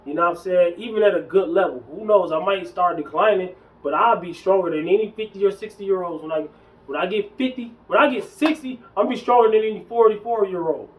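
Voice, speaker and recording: A man's voice: sits high, a little fast, recorded from a distance, rough recording. Emphatic man in his forties ranting. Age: 40s. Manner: emphatic, preachy, slangy, repeats himself. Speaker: fitness vlogger. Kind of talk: casual ranting monologue.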